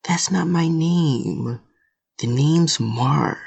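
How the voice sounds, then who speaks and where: A woman as a creaky, very low-voiced office worker. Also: very slow, darkish tone, exaggerated voice. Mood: dry, officious. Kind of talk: audio drama dialogue.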